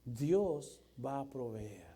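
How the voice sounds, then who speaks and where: A man, preaching a lively sermon that swings between loud and hushed. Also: mid-range voice, drawn-out words, breathy edge. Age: 40s. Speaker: pastor.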